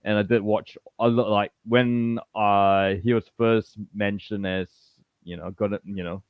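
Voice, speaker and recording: A man from Malaysia with a low voice, heard over a dull, lo-fi and dry connection. He hosts a casual chat, rambling in lively bursts, restarting his sentences and leaning on you-know again and again. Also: a little slow, clear, resonant tone, no echo. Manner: rambling, animated, many you-knows and restarts. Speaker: podcast host.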